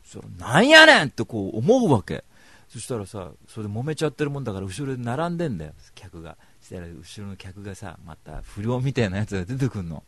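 A male radio host who tells a story in a rambling, crude and mock-outraged way. He talks fast, and his pitch swings widely as he goes. The studio sound is dry and close. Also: lively intonation, no echo.

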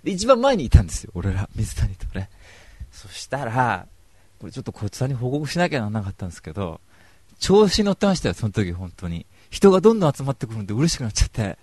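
A man's voice: medium pitch, fast talker, breathy edge, no room sound. A young man hosting a live radio talk show, telling stories in a casual, joking way. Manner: animated, joking storyteller.

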